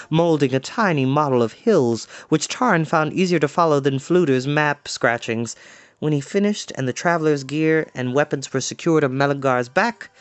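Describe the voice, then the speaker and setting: A man's voice: fairly high pitch, no room sound. A man reading a story aloud expressively, with informal, chatty asides to listeners. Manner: informal, explains words to listeners.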